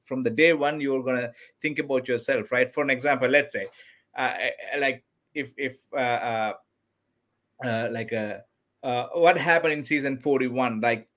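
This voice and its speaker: A man from Sri Lanka speaks. His voice sits at a middle pitch for a man. He gives eager, emphatic interview answers and often pauses to search for the right words. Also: bright, forceful tone. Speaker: podcast guest, former contestant.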